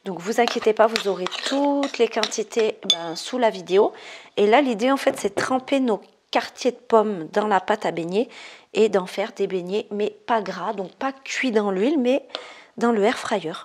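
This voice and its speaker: A woman's voice: mid-range voice, moderate pace. A woman hosting a casual cooking video, chatty and self-amused, often dropping her voice to a murmur.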